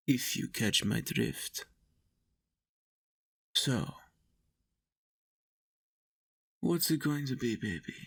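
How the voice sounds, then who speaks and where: A man playing a possessive, doting vampire master in an intimate roleplay monologue, coaxing and teasing with soft menace. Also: mid-range voice, gravelly.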